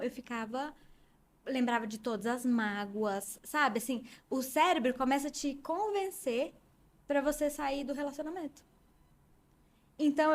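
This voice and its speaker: A Brazilian woman, a guest on a casual podcast, talking in a reflective, storytelling way. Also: sits high.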